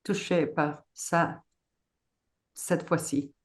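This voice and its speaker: Slow-paced woman with a foreign accent in French. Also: low-pitched, steady tone. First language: not French. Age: middle-aged. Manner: halting, searching for words. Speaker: guest speaker, coach. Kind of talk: informal webinar talk.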